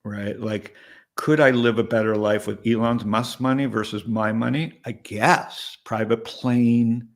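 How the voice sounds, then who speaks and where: This clip features a man in his late fifties, a startup investor appearing as an interview guest in a casual conversation. His mid-range voice stays steady and moves a little slowly. He rambles candidly and keeps checking in with "right?"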